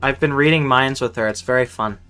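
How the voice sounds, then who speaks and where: A man with a mid-range, bright, forceful voice talks briskly during a casual game livestream. He's playful and rambling, repeats phrases a lot, and faint game music sits underneath.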